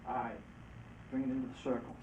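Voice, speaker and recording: A hypnotist guiding a volunteer through a live exercise, repeating encouraging instructions. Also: male voice, medium pitch, flat delivery, fast talker, background noise. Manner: coaching, repetitive, encouraging. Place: event room. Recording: roomy, distant, muffled live event recording.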